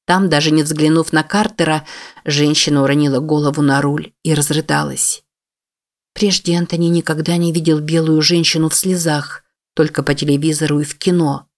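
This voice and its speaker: An audiobook narrator reading a novel in steady scripted narration. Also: medium pitch, normal speed.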